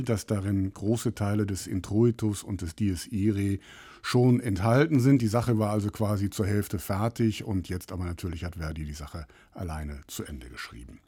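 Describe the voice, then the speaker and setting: A male radio host with a low, warm voice that carries a soft, husky grain. He introduces the piece in a measured, explanatory way before turning questions to his panel. The sound is close and dry, with no room around it. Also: no echo. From Rhineland, Germany. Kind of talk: scripted introduction and moderating a panel.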